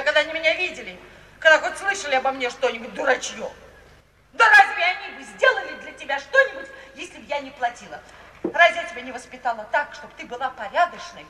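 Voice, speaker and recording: A worldly madam and mother with a high, bright, theatrical voice. She coaxes and pleads emphatically, middle-aged and defensive. It is an old radio play recording, echoey and distant. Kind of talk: 1950s Russian radio theatre acting.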